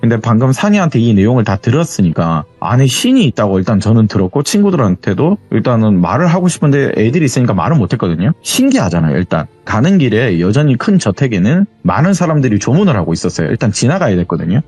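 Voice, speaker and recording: Over soft background music, a young man appears as a guest storyteller and casually recounts a true horror story. His husky, mid-range voice moves fast with few pauses, and he animatedly acts out the quoted dialogue.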